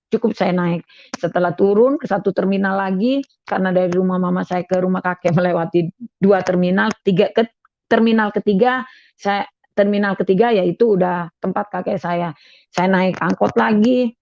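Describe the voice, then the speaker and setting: Young woman from madura, earnest testimony, gravelly fry in her voice, dull dry recording. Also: mid-range voice, a little mellow, dry recording. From Madura, Indonesia. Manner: earnest, repeats phrases as she recounts. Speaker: testimony speaker. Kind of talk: personal faith testimony.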